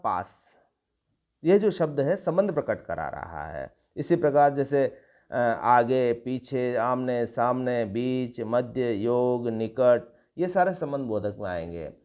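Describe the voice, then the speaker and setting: A middle-aged Hindi grammar teacher lectures a class at a patient, measured pace, restating each term and going through lists of examples with pauses and small fillers. His voice is medium-pitched and a little mellow, and the recording is dull and lo-fi.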